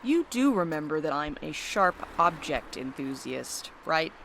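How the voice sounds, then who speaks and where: A cocky male wisecracker played by an actor with a highish, sharp-edged voice. He teases and needles in sardonic audio drama banter. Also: big pitch swings, unhurried, gravelly, slight background noise, full character voice. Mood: teasing, cocky. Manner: sardonic, teasing. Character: cocky, wisecracking, sarcastic night postal worker with menace. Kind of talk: audio drama dialogue, conversational.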